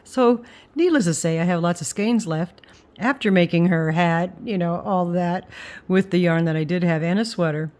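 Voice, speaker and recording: An older woman speaks in a low register, with a slight whistle on her s sounds. She chats informally in the way of a craft vlogger, pausing, restarting and trailing off into asides as she thinks aloud. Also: darkish tone. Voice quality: whistling s through the teeth. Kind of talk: casual rambling chat.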